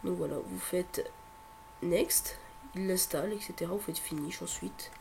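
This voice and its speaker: A man with a cold giving a hesitant, step-by-step tech tutorial, often pausing and repeating himself. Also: sits high, gravelly, a little mellow, a little hiss or hum. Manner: hesitant, filler-heavy, repeats words. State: has a cold. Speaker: tutorial presenter. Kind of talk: screen-recording tech tutorial.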